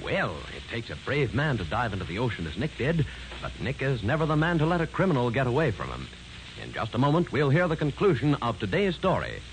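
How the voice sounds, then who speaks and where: A man's voice: medium pitch, huge pitch swings, fairly quick, a little hiss or hum, poor audio. A man announcing and narrating a radio drama in scripted 1940s style. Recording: old radio recording. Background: music.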